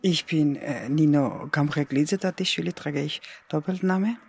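A middle-aged woman with a Georgian accent tells of herself and retells a story reflectively, in halting, non-native phrasing. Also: sits low, gravelly, darkish tone, soft background music. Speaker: interviewee.

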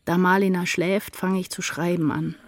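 A woman's voice: fairly low pitch, level tone, moderate pace, no echo. An actress playing an anguished woman writer, narrating her inner turmoil intensely and introspectively in a literary radio play. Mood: indignant, brooding.

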